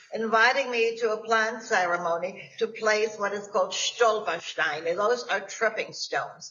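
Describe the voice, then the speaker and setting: Noticeable background noise sits behind a woman speaking fairly slowly at a fairly high pitch in a German accent. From Germany. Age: 90s. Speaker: holocaust survivor speaking to students. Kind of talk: testimony.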